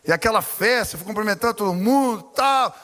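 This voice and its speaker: A man with a Brazilian Portuguese accent preaching a sermon as pastor, telling stories animatedly and building to shouted exclamations. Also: sits high, lively intonation, brisk. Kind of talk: sermon with personal storytelling. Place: large church sanctuary. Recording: long hall reverb in a church.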